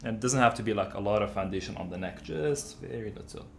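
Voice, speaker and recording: Relaxed man explaining makeup as he works. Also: fairly low pitch, gravelly, slight background noise. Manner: relaxed, chatty, with quick self-corrections and light laughs. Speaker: makeup artist. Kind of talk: explaining a makeup routine while working.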